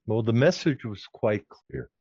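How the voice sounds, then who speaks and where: Man, podcast guest, very deep voice, slow deliberate explaining, dry muffled sound. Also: sing-song, dark tone, slightly rough, no echo. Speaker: podcast guest, former recording engineer. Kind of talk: measured explanation.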